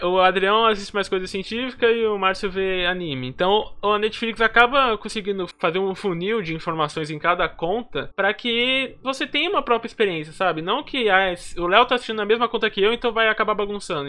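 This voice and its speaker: A man's high-pitched voice at moderate pace with ordinary pitch variation. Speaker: podcast host. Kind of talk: casual chat.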